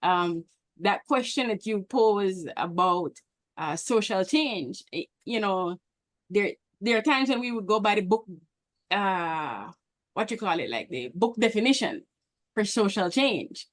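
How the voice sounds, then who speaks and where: A woman from Belize sharing earnest, somewhat halting comments as a guest on an online meeting video call. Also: mid-range voice, expressive, dry recording. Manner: earnest, hesitant restarts.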